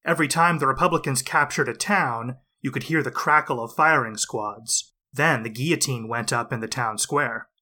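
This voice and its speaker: A man narrates history in a steady, explanatory manner, his tone bright and forward at an ordinary pitch. He is still getting over a winter cold. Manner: measured, explanatory storytelling. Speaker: podcast host.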